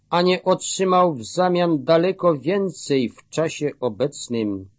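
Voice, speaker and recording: A man reading the words of Jesus as a calm, authoritative teacher, in a measured, solemn way. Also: a little high, husky, dry recording, exaggerated voice.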